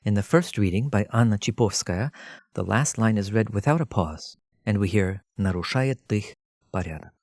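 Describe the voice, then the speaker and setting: Male tutor for scripted language lesson, gravelly low register, measured and explanatory. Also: expressive, a little mellow, dry recording, studio quality. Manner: measured, explanatory, addresses listener directly. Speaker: language teacher.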